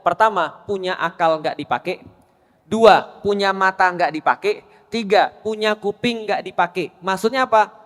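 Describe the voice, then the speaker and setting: High-voiced male preacher in an echoey hall. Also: a bit bright. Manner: quizzes the audience with rapid questions. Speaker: Islamic preacher. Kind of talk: sermon to a women's gathering.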